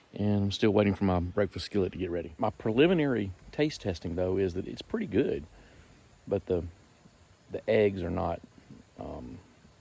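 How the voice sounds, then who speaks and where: A man talks fairly quickly in a Southern US accent. His fairly low voice has a dark, mellow, relaxed tone. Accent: Southern US accent, smooth. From US South. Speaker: hiker vlogger. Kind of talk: casual vlog monologue. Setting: outdoors, camping in wilderness. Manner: relaxed with fillers.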